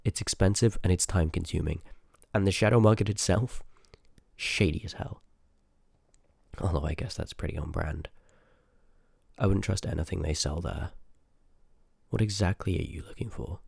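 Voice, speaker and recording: A very low-voiced, gravelly sorcerer, acted by a man, talks straight to the listener in a fantasy audio roleplay. He is rude and curious, full of sarcastic banter and muttered asides. The sound is close and very dry, with no room around it. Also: moderate pace, pauses often, darkish tone, no echo, exaggerated voice. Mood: skeptical, dry. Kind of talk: ASMR audio roleplay acting, addressed to the listener.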